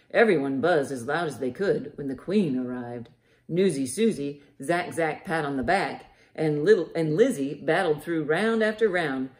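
Expressive woman reading storytime, lowish voice. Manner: expressive, deliberate, child-directed. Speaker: library storytime host. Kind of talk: animated children's storybook reading. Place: living room, indoors by a fireplace. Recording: roomy living-room echo.

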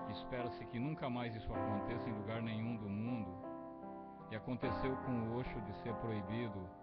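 Older man musing over loud music. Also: medium pitch. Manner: rambling, reflective, unhurried. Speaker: home radio host and musician. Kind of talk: casual spoken monologue. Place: small home room with a cloth backdrop. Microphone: large studio microphone close up. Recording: dull lo-fi webcam recording with loud music.

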